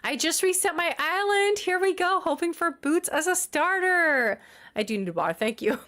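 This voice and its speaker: A woman's voice: extremely high pitch, expressive, moderate pace, fairly bright tone. A woman chatting casually on a live stream, giggly and talkative as she greets and answers her chat.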